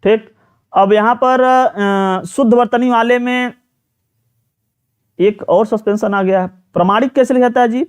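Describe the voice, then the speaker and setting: A man's voice: very high voice, fairly even intonation, measured pace, pauses often, clear, resonant tone. A man from teaches a live online exam-prep class. He talks students through each question, repeats words and keeps asking them for answers, with plenty of fillers. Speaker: Hindi teacher.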